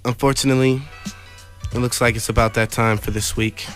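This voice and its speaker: A man's voice: mid-range voice, level tone, a little fast, fairly bright tone, soft background music. A man co-hosting a casual talk radio show, explaining his points in an informal, conversational way. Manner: conversational, explanatory, says "like" often.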